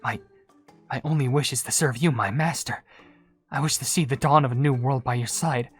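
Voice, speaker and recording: A woman voicing a devoted, intense cookie servant of a dark sorceress in a game cutscene, solemn and dramatic. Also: extremely low pitch, normal speed, slightly rough. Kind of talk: video game cutscene voice acting. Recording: game audio with music behind.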